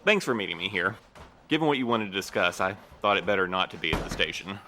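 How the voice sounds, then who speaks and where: An actor playing a guarded, weary postmaster in an audio drama, speaking in a careful, slightly formal, measured way. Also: male voice, deep voice, animated, sharp tone, a little hiss or hum. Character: guarded, weary postmaster man, evasive but courteous. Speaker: actor in a fiction podcast.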